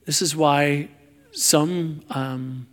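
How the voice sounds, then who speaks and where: A man preaching a sermon in a halting, self-deprecating way, searching for his words as he goes. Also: a little high, steady tone. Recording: long hall reverb.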